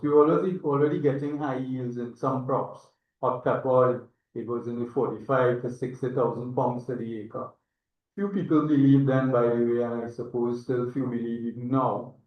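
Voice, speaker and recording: Older Trinidadian male presenter, mid-pitched, hesitant and reflective, on muffled online-meeting audio. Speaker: agronomist and institute chairman, presenter. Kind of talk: informal conference presentation. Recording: echoey, distant, dull online-meeting audio.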